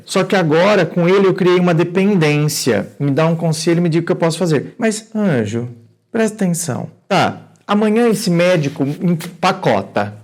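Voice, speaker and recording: A Brazilian man hosting an advice show, reading a viewer's letter aloud and reacting to it with exclamations and direct questions to his audience. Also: a little high. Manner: incredulous, exclamatory, addresses the audience and the writer directly.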